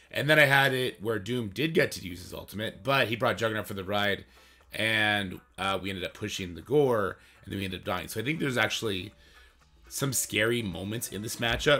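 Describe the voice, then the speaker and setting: Over music in the background, a man speaks fairly quickly at a fairly low pitch. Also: ordinary pitch variation. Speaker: gaming youtuber. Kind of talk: gameplay commentary. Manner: casual, filler-heavy.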